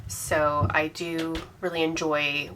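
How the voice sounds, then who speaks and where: A woman's voice: deep voice, flat delivery, takes it slowly, sharp tone, a little hiss or hum, poor audio. A woman with a cold and a congested, slightly sore voice, chatting enthusiastically as host of her own vlog with frequent ums. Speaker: tarot channel host. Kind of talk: casual monthly wrap-up vlog.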